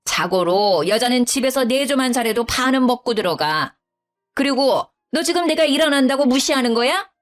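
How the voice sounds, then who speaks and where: A woman's voice: high voice, lively intonation, moderate pace, faint music behind, voice pushed up. A woman putting on a bossy scolding mother-in-law. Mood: indignant. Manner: scolding, condescending. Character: domineering nagging older mother-in-law.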